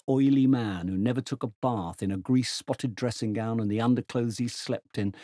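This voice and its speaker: A man voicing a contemptuous, combative English gentleman in a novel, speaking bluntly and emphatically. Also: medium pitch, slightly rough, no room sound, clean studio sound, natural voice.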